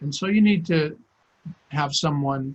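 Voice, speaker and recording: A man talks with a fairly high pitch and lively intonation. His voice is somewhat breathy. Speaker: trial lawyer and public speaking coach. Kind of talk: lecture. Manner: slow.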